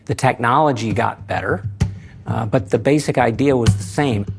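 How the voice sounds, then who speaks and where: A man with a gravelly creak talks reflectively, like a doctor being interviewed for a documentary. His delivery is measured, and guitar music plays underneath. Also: medium pitch. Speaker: physician.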